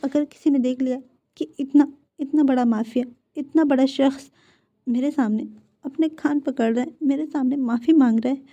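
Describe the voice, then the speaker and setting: A woman voicing a gentle, shy young man who reassures his lover in a soft, caring way. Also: high voice, fairly even intonation, moderate pace. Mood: scolding. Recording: dull lo-fi recording.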